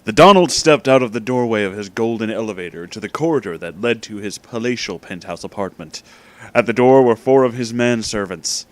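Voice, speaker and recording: Reading fan fiction aloud for laughs, a male host keeps things casual and informal. He speaks on the low side, animated and a little fast, with plenty of emphasis and drama.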